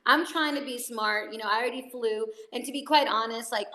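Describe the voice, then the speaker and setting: A woman's voice: a little high, brisk, pushed and bright. A woman from El Salvador talks in a loose, casual chat and rambles along with plenty of fillers and restarts. Her voice carries a roomy echo from the space around her. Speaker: actress.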